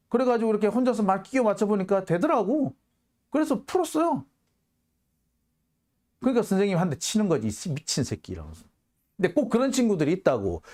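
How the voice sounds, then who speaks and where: A man's voice: high-pitched, a little mellow. A man hosting a political commentary monologue, heated and sarcastic, firing off rhetorical questions.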